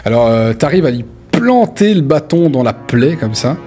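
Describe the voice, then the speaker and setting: A man's voice: medium pitch, sing-song, normal speed, mellow. A man narrating a tabletop role-playing game as game master, describing scenes in a hesitant, repetitive way. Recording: background music under the voice.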